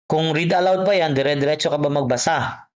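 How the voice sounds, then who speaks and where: In a private online tutoring session, a male test prep tutor patiently explains exam material, repeating each point and checking in with his student. His voice is a little high, a little fast, clear and resonant, though the audio sounds dull.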